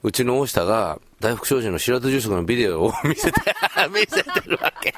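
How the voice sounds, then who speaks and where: Lively, laughing male podcast host. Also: mid-range voice, moderate pace, crowd noise. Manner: animated storyteller, laughs often. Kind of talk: casual chat.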